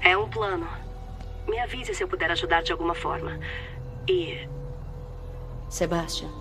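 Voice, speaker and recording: A woman with a Brazilian accent playing a composed, caring agent, measured and earnest, in a dramatic video game. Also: fairly low pitch, animated, over music. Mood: focused. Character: composed, caring female agent guiding a partner.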